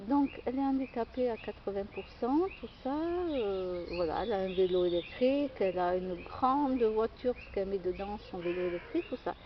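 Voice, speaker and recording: A woman telling a personal story in a rambling, hesitant way, full of fillers and restarts. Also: mid-range voice. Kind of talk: casual storytelling monologue. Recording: dull lo-fi recording with faint outdoor noise.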